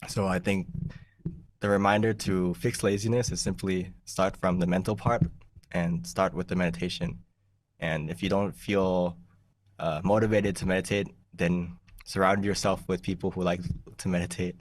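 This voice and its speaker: A young man with a low voice teaches meditation in an easygoing way, laughing now and then and clearing his throat. He talks into a desk mic in a small room. The sound is dry and a little distant. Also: flat delivery, normal speed, no room sound. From United States. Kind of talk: relaxed teaching talk over a video call. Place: small plain room indoors. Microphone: large desk mic in front of him.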